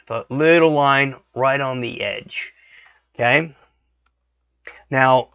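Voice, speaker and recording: A man hosts a casual screen-recorded 3D modeling tutorial, his voice hoarse and gravelly from a cold. It sits mid-range with a fairly bright tone, and he thinks aloud with frequent "okay" checks. The lo-fi mic sounds dry and dull, with no echo.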